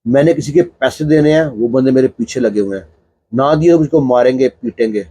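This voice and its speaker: A man storyteller voicing a drunk young man who begs his sister-in-law for her gold bangles, his voice dropping low and quiet. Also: slightly rough, no echo, close to an everyday voice. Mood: pleading.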